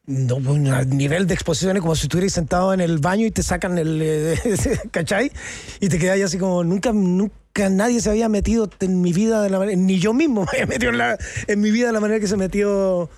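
A man's voice: high voice, fast talker, a little mellow, no echo, studio quality. A man with a Chilean accent, an actor talking candidly in an interview, casual and slangy with lots of fillers and tag questions.

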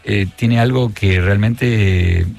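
A man with an Argentine accent, a guest on a radio show, talking in a reflective, measured way with frequent pauses and restarts. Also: on the low side, vocal fry, darkish tone, faint music behind. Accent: Argentine Spanish. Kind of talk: relaxed radio conversation.

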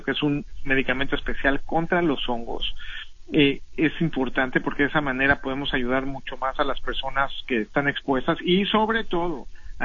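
A man's voice: mid-range voice, bright, forceful tone, slightly rough, no echo. A man, a doctor guest patiently explaining health advice on a call-in radio show and repeating words as he goes. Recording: dull lo-fi radio broadcast.

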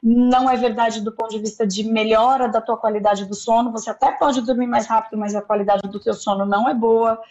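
A woman's voice: fairly high pitch, little pitch movement, a little fast, hardly any pauses, darkish tone. A woman explaining sleep advice in a didactic way, checking in with the listener. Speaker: sleep expert. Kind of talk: explanatory talk. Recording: dull lo-fi sound.

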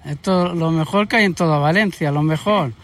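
A man's voice: on the high side, moderate pace. A man from central Spain, a beach visitor, answering a street interview in a chatty, enthusiastic way and joking now and then. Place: outdoors on a beach.

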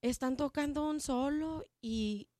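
Recorded in a clean studio with no room sound, this high-pitched, warm-toned woman is a native English speaker talking in Spanish. She discusses her jazz program in a relaxed interview, stopping and restarting often and leaning on fillers.

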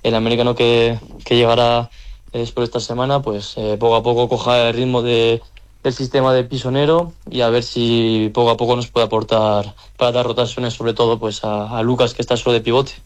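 Flat-voiced young man, halting speech. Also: mid-range voice, clean tone. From French Basque Country. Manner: hesitant, many fillers. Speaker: handball player. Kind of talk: casual interview.

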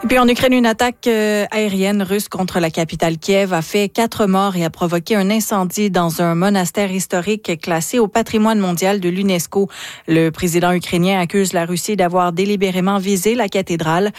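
A woman reads the morning radio news in a steady, measured voice. Her sound is close and dry, with no room around it. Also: mid-range voice, no echo. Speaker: news anchor. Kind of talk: radio newscast reading.

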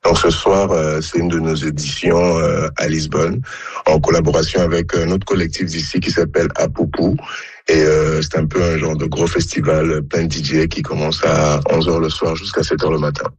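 A man's voice: rumbling low, flat delivery, moderate pace, breathy edge, dry recording. A man from the Congo, a musician guest, talking in an interview with many fillers and restarts. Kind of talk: phone interview.

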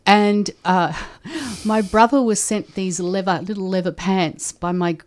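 An older woman from Australia who grew up speaking a German dialect at home, recalling her childhood in an oral history interview, pausing often with ums and restarts. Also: mid-range voice. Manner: reflective, hesitant, with many ums and restarts.

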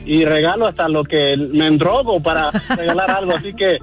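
Mexican man, high pitch, folksy chatty manner, faint music behind, radio interview. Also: moderate pace. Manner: warm, folksy, lots of fillers. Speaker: guest, car dealer.

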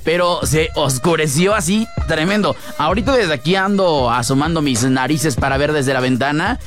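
A man's voice: on the high side, animated, moderate pace, fairly bright tone. A man with a Mexican accent hosting a radio show, playfully reading out listener messages with laughs and sing-song exclamations. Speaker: radio host. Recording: music under the voice. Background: music.

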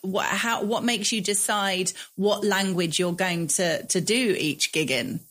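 A woman's voice: medium pitch, a little slow, fairly bright tone. A woman hosting an afternoon radio interview, friendly in her questions. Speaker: radio host.

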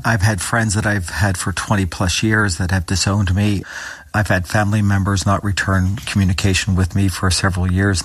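Firm man with a husky voice. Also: lowish voice. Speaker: orthopedic surgeon, guest. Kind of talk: interview answers.

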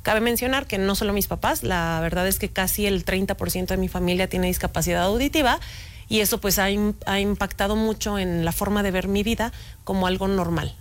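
Woman explaining warmly. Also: mid-range voice, a little fast. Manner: warm, explanatory, storytelling. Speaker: sign language interpreter guest. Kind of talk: conversational interview answers.

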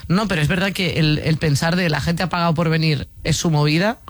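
A woman from hosting a casual chat show, lively, with frequent laughs and interjections. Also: low voice, a little fast, dry recording, studio quality. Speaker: host.

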